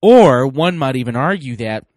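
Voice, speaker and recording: A man's voice: medium pitch, lively intonation, normal speed, a little mellow, no room sound, clean studio sound. A man hosting a solo parenting podcast, sounding a little stuffy from a cold, talking casually with frequent fillers. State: stuffy nose. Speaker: podcast host.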